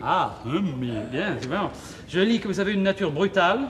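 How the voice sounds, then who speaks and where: An actor playing a flustered, excitable man fussing over a date, stammering and muttering to himself on a theatre stage in a televised boulevard comedy. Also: sits high, moderate pace. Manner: stammering, fussy, talks to himself. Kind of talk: 1980s French boulevard stage comedy acting. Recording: hissy old television broadcast recording.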